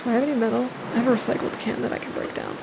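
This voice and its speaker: A woman's voice: fairly high pitch, fairly even intonation, rapid-fire, vocal fry, very noisy. A woman from the United States streaming a survival game, chatting casually and answering her chat by name with frequent laughs. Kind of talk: casual gameplay chat with chat readers.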